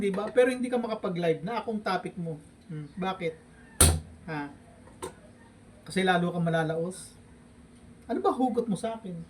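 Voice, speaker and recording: A man from the Philippines ranting in a vlog, taunting a rival with laughs and drawn-out hums. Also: high voice. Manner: mocking, provoking, with frequent laughs and drawn-out hums. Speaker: vlogger. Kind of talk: taunting livestream rant. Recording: distant mic with faint background noise.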